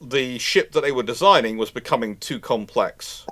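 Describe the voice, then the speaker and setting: A man's voice: mid-range voice, moderate pace, background noise. Man, rambling live commentary. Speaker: host of a live naval history question stream.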